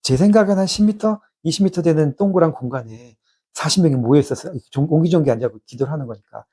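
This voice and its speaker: A man in his fifties giving a personal spiritual testimony, reflective and halting with many restarts. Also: on the high side, warm tone, husky.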